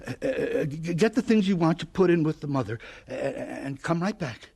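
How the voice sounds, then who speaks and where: An actor playing a grieving, gentle gypsy father in a radio drama, speaking haltingly. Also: a little high, expressive, gravelly. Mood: hesitant, solemn. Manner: hesitant, halting.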